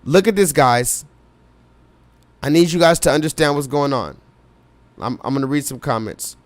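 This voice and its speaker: A man's voice: on the high side, lively intonation, moderate pace, dry recording. A man hosting a live reaction stream, reading viewer comments aloud and pressing his chat with urgent, repetitive remarks. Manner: urgent, insistent, repeats himself, addresses chat directly.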